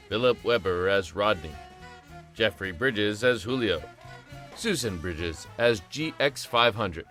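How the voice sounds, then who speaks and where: A man's voice: lowish voice, fairly bright tone. A man reading scripted audio drama credits as an announcer. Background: faint music.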